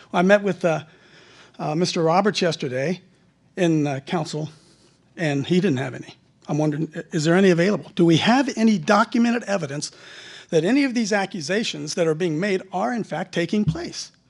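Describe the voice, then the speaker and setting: A loud, high-pitched man with an American accent, lively intonation and a fairly quick pace. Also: quiet background. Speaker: street preacher. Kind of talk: public testimony. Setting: council hearing chamber. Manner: impassioned.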